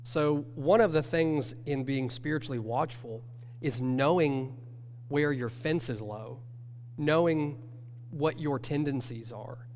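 Brief: man with a cold, nasal church teacher, earnest and measured, long reverb around him. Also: mid-range voice. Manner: earnest, measured, self-correcting. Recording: long hall reverb with faint hum.

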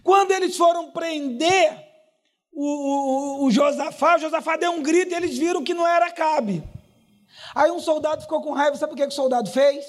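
A man preaching a sermon as pastor, acting out the quoted dialogue of the story and building to shouted exhortations. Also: extremely high pitch, brisk.

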